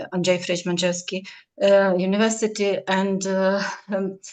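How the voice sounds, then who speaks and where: A woman with a Ukrainian accent, medium-pitched, over a quiet background. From Ukraine. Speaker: statistician. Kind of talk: discussion remarks. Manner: halting.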